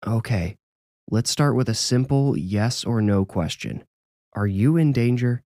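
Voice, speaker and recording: Guy playing an impatient adult son, low warm voice, firm n dismissive, audiobook dialogue. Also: animated, normal speed, no room sound, studio quality, close to an everyday voice. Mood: patient, reasoning. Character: impatient, busy grown son, rational and exasperated.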